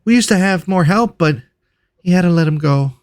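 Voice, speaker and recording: A man acts out a friendly, overworked clawed creature from a tabletop game. The voice is slightly high and dry, rambling along with hesitant, gossipy chatter. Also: expressive, a little fast, no room sound. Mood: chatty, earnest. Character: chatty clawed cave-loving resort worker, friendly and overworked.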